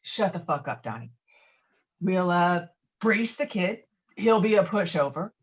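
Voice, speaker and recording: A woman's voice: on the low side, expressive, unhurried, highs cut off. A woman playing a brash, foul-mouthed, domineering man in a script table read, talking in a blustering, insistent way. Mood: scheming, sure. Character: brash, foul-mouthed, domineering male friend named Walter. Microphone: video call.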